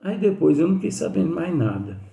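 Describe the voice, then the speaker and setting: His voice sits a little high, swings widely in pitch, and carries a warm tone as he talks fast. In a chatty spiritist study lesson, he relates anecdotes and frequently tacks questions onto his sentences for listeners. The recording has room echo and faint music.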